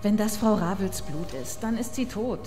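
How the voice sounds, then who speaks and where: A woman's voice: mid-range voice, normal speed, lightly acted. Radio play role: woman as curt, impatient female police inspector, cavernous reverb, music bed. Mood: curt, probing. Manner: curt, demanding, sharp questioning. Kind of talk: audio drama acting. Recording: reverberant hall, music underneath.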